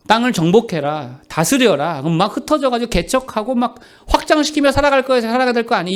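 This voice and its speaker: A male pastor delivers a sermon in a church, his voice set high and swinging widely in pitch. He preaches with animation and acts out the voices of the people he quotes. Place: church sanctuary.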